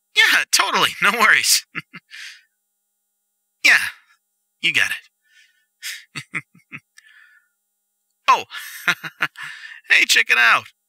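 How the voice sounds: Putting on a character voice, a man speaks at a very slow pace with long, frequent pauses, his high pitch swinging very widely, the tone bright and sharp with a slightly husky edge and vocal fry. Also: dry, close sound with no echo.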